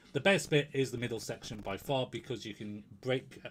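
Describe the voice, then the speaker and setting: A man with a British accent talks with ordinary pitch variation. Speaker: gaming YouTuber answering viewer questions. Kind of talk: live stream Q&A. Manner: hesitant, many fillers.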